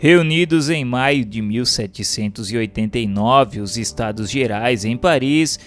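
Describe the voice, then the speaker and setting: A man's voice: mid-range voice, unhurried. A man with a Brazilian accent reading scripted narration in a formal, solemn, declamatory manner. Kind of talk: scripted audiobook-style narration of a historical religious text. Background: music.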